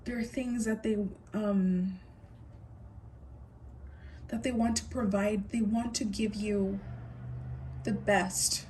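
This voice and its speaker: A woman's voice: mid-range voice, fairly even intonation, slow pace, pauses often, darkish tone, distant mic, a little hiss or hum. A woman giving a pick-a-card tarot reading, musing aloud, repeating her phrases and speaking straight to her viewers. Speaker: tarot reader.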